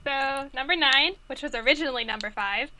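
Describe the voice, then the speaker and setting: A woman's voice: high-pitched, a little fast, sharp tone. A giggly, playful woman casually hosting a trivia quiz among friends on an online call. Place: remote group call. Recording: faint background noise, online group call.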